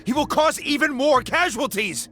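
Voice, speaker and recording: An actor playing a protective tribal chief in a video game, earnest and easily alarmed. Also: male voice, extremely high pitch, expressive, normal speed, pushed and bright, full character voice. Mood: urgent. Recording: game audio with music underneath.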